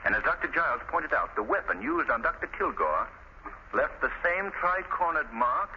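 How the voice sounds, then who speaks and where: An actor playing a calm, polite gentleman amateur detective who asks probing questions, in a 1930s radio drama. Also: a little high, normal speed. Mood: intrigued. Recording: muffled, noisy 1930s radio recording.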